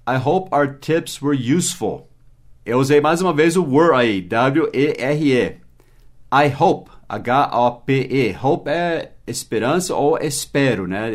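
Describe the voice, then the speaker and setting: Man, english teacher, mini-podcast lesson, spells out words, medium pitch. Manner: spells words letter by letter, switches into slow English examples.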